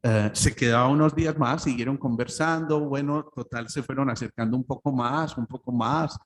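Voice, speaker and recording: A man's voice: medium pitch, normal speed. A Colombian man with a Paisa accent, a doctor giving a spiritual lecture that moves into storytelling, often checking in with listeners by asking "¿cierto?". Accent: Paisa (Antioquian) Spanish. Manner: storytelling with frequent "¿cierto?" asides. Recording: long hall reverb, faint background noise.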